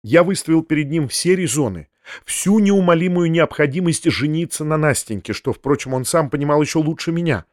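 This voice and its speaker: A man narrating a novel in a measured, steady audiobook reading. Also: fairly high pitch, no echo, clean studio sound. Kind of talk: scripted narration.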